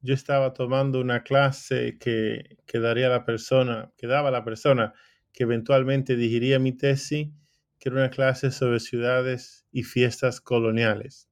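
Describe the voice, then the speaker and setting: A man's voice: mid-range voice, level tone, moderate pace. Hesitant male professor answering questions. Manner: hesitant, many fillers and restarts. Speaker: guest author, professor. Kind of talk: interview answers.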